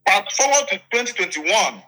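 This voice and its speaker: A Nigerian man recounts events as an interviewee in a very bright, pressing voice that sits a little high. He speaks emphatically, repeats his phrases for weight and keeps checking that the listener is with him. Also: sing-song, moderate pace, poor audio. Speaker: interviewee, politician. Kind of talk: interview storytelling.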